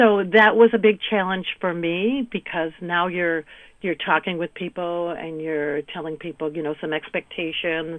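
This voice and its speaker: Speaking at a moderate pace in an upstate New York accent, the voice swings widely in loudness. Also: woman, fairly low pitch for a woman, ordinary pitch variation. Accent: upstate New York American. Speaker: former radio program director. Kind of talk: radio interview.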